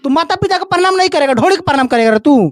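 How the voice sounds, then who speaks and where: A woman reporter with a Bihari accent fires the same questions again and again. Her high voice scolds and badgers. She sounds confrontational throughout. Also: lively intonation, very fast, dry recording, studio quality. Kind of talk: confrontational street interview.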